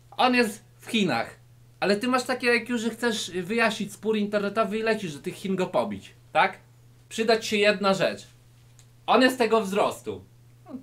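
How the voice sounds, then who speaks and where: A man giving a comedic mock martial-arts lesson to camera, mock-serious and lecturing the viewer directly, swinging between loud and quiet delivery, in a low-ceilinged indoor room. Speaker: YouTuber.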